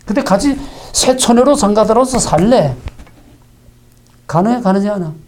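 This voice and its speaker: A man's voice: high voice, animated, moderate pace, a little mellow. A male preacher delivering a sermon with heavy emphasis. He stacks up repeated phrases and throws rhetorical questions at the congregation.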